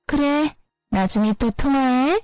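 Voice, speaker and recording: Easygoing, offhand older relative, read by a woman in a higher voice. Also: unhurried, darkish tone, clean tone, dry recording, faint music behind.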